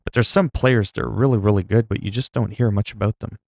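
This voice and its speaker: Low gravelly streamer. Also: male voice, steady tone, quick pace, a little mellow, dry recording, studio quality. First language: French. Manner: rambling, self-talk with laughs and asides. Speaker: gaming streamer. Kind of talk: casual gameplay chat.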